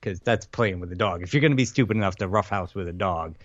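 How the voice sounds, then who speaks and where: A man's voice: low voice, fast talker. A man co-hosting a radio show with casual, jokey banter and stories, playfully acting out noises and exclamations. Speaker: radio co-host. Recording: dull, roomy, slightly lo-fi radio audio.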